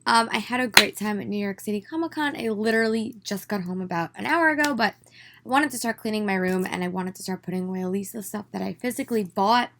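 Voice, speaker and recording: Slightly hoarse young woman chatting excitedly. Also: mid-range voice, fast, noisy background. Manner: chatty, enthusiastic, many "um"s. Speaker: book vlogger. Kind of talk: casual haul video. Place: her room at home.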